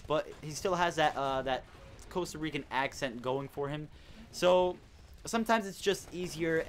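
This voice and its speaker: Teenage boy, rambling storyteller, slightly high voice, faint background hiss. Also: a bit bright. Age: teens. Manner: chatty storyteller, indignant, rambling. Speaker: host. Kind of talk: casual gaming commentary chat.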